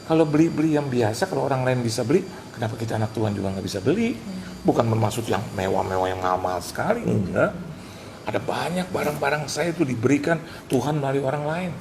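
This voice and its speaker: A middle-aged male pastor preaching a sermon, animated, acting out conversations and mixing in English phrases. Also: mid-range voice, fast, vocal fry. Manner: animated preacher who acts out dialogues and drops English phrases. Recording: noisy live sermon recording.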